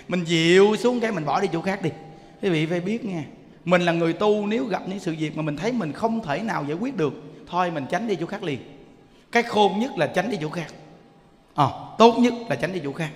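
A man giving a folksy, animated sermon as a monk, telling stories and laughing. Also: high voice. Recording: long reverb of a temple hall.

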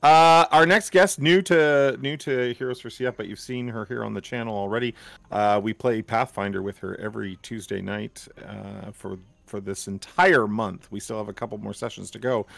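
A man's voice: lowish voice, fairly even intonation, moderate pace, creaky, a bit bright, no room sound. A man hosting a charity game stream on a headset, upbeat and introducing guests. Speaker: stream host. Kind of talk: casual chat.

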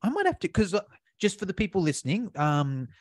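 Podcast host, dry close mic. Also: male voice, high voice, very animated, brisk, no echo. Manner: friendly, interjecting, playful. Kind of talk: casual podcast interview. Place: home studio, indoors. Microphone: large studio mic close to mouth.

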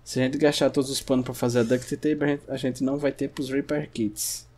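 A man from Brazil giving casual gameplay commentary, chatting to himself and his viewers, sometimes breaking into sudden shouts. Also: mid-range voice, little pitch movement, a little fast. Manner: chatty, talks to himself and the audience, bursts into shouts at scares. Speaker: gameplay streamer.

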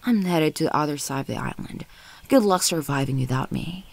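A woman playing a possessive, manipulative ex-girlfriend in an ASMR audio roleplay, condescending and volatile, with teasing, lingering, breathy delivery. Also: low-pitched, animated, a little fast, a little mellow, no echo, exaggerated voice. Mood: furious, bitter. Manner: condescending, teasing, lingering on words, often breathy half-whispers.

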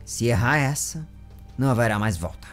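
A Brazilian man voicing a menacing male knight who guards a temple and poses riddles in a theatrical, booming way. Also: animated, normal speed, soft background music, natural voice. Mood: taunting. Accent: Brazilian Portuguese.

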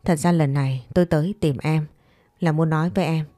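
A woman voicing a composed, proud man who coolly turns down a former girlfriend, measured, in a fireside storytelling style. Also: low-pitched, fairly even intonation, mellow, no echo, studio quality, lightly acted.

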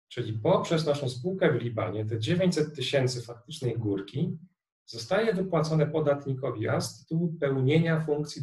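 Measured man lecturing in a roomy space. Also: mid-range voice, darkish tone. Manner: measured, explanatory, walks through a worked example step by step. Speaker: tax law lecturer. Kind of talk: recorded online lecture over slides. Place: room indoors. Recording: roomy, distant webcam sound.

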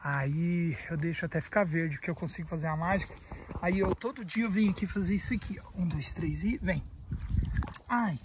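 A man with a fairly high voice and a Brazilian Portuguese accent talks in a loose, playful vlog manner, sometimes mangling words on purpose. He is outdoors in a garden by a pool, caught on a phone's own mic rather than a proper microphone. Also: a little fast, a little hiss or hum. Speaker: carnivorous plant grower and channel host. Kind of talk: casual vlog chat. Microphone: phone built-in mic, no external mic.

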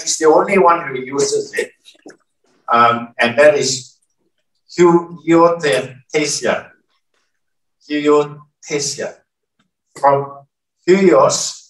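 A man's voice: fairly high pitch, fairly bright tone. An older man preaching a teaching sermon from a church stage, often checking in with the congregation. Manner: teaching, asks the congregation questions. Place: large church hall with stage. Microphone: from far camera, at lectern. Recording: echoey hall, distant mic.

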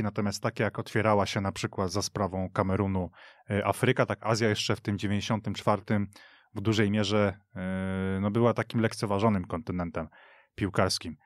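A man on a radio football show, telling football history in an animated way with firm verdicts, speaking in a studio. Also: fairly low pitch, no room sound. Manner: animated storytelling with emphatic verdicts. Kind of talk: studio podcast discussion.

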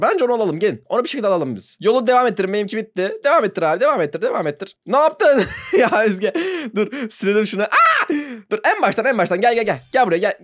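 A young man commenting on a game as he plays with friends, excitable, laughing often and shrieking when surprised. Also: high voice. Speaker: gaming YouTuber. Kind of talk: let's play commentary.

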